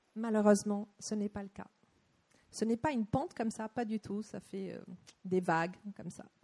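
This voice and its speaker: A woman speaks at a moderate pace and medium pitch, with a dark, mellow tone and ordinary pitch variation. Her loudness swings widely, long pauses come often, and the sound is dry and close with no echo. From southern France. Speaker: round-table moderator, corporate equality trainer. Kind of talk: panel discussion.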